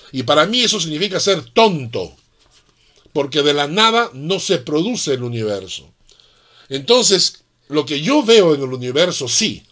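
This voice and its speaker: A middle-aged man preaching with a voice pitched a little above the usual male range. He drives his points home with emphatic stresses and keeps firing rhetorical questions at the congregation. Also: fairly bright tone, breathy edge. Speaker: pastor. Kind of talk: sermon.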